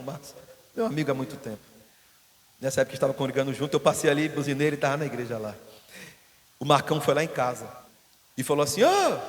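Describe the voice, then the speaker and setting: A man preaching a sermon as pastor in a church hall, telling stories and acting out the voices of the people in them. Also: a little high. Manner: storytelling, acting out quoted voices. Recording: long hall reverb.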